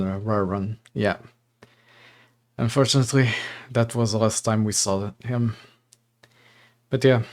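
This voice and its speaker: Slow-talking man from Portugal streaming. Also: lowish voice. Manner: slow, rambling, reads text aloud with many fillers. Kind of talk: casual livestream chat and reading.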